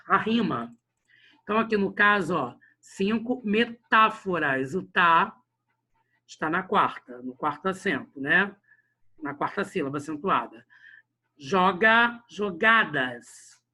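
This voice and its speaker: A man's voice: a little high, lively intonation, normal speed, sharp tone, slightly rough. A man teaching a literature lesson online, addressing the class directly and often checking in with short tag questions. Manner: tags sentences with "né?" and "olha só", addresses the class directly.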